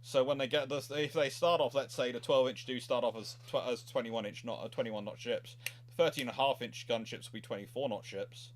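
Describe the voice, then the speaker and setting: A man's voice: medium pitch, steady tone, fairly quick, a little hiss or hum. A man hosting a casual live history question session, rambling and often repeating himself as he goes. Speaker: naval history livestream host.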